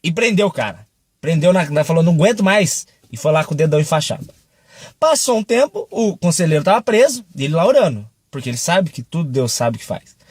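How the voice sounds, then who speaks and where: A man's voice: on the high side, sing-song, a little fast, a little mellow, slightly rough, no echo. A young Brazilian man giving a casual devotional talk, chatty and joking as he tells a story and acts out its quotes. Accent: Brazilian Portuguese. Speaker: Christian video preacher.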